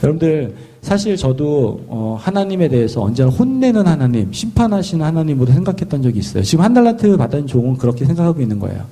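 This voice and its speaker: Male preacher, storytelling sermon, fairly high voice, warm and slightly husky. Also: quick pace, few pauses. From Seoul, South Korea. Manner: animated, storytelling, asks the congregation questions. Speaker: pastor.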